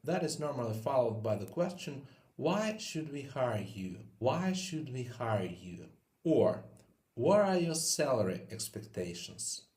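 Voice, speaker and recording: A man narrating an English lesson and repeating each interview question slowly. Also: mid-range voice, very animated, a little mellow, reverberant.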